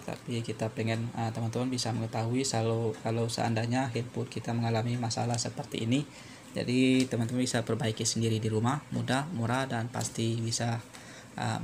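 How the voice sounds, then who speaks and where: A man presenting an unscripted step-by-step repair tutorial, halting and repetitive as he explains. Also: medium pitch, little pitch movement, darkish tone, a little hiss or hum.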